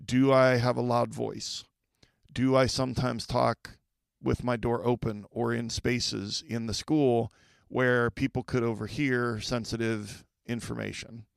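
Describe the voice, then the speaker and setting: A man's voice: mid-range voice, little pitch movement, measured pace, creaky, clean tone, dry recording, clean studio sound. A middle-aged man hosting a podcast for school leaders, talking conversationally, repeating key points and checking in with listeners. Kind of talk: solo podcast advice talk.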